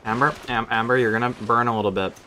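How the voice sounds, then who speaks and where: A man doing casual, unscripted game commentary on a stream, thinking out loud and swearing freely. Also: mid-range voice, steady tone, fast talker, a little hiss or hum.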